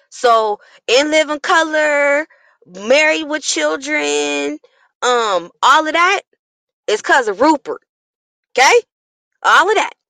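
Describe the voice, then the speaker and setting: Raised and projected, a woman's high, bright, sharp voice moves at a very slow pace with very wide pitch swings and long, frequent pauses, recorded dry and close with no echo against a quiet background. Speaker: podcast host reviewing a docuseries. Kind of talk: casual recap chat.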